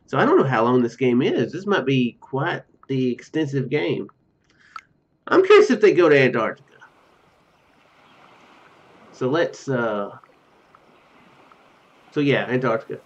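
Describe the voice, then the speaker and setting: A mid-range, very animated voice comes at a measured pace with long pauses. This young streamer narrates a let's play casually, reading game text aloud and slipping into joking asides, from a small room at home where a dull lo-fi mic picks him up along with game music.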